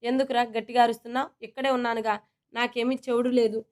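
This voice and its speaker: A woman reading a storybook and voicing a calm, commanding young man who questions with sarcasm and sternness. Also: very high voice, fast, clean tone. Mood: stern.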